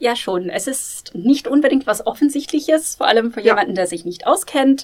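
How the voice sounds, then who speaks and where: Fairly quick speech from a woman, its pitch swinging very widely. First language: English (speaking German). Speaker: museum educator. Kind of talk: casual chat.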